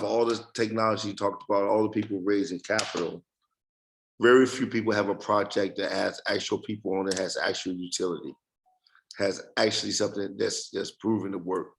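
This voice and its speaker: Man with a gravelly, slightly worn voice, flat delivery, repeats phrases as he gives a team update. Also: fairly low pitch, moderate pace, slight background noise, rough recording. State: losing his voice. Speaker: project leader giving updates. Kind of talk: casual group call update.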